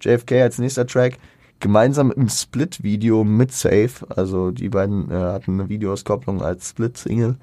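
A man's voice: fairly low pitch, fairly even intonation, moderate pace, mellow, no room sound. A man giving a casual spoken music review, hesitant, with many fillers, restarts and colloquial slang.

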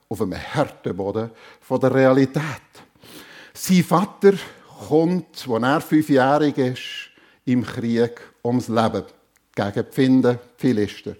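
A man's voice: mid-range voice, a little mellow. A male preacher with a Swiss German accent, earnestly retelling a Bible story in a sermon, with some restarts.

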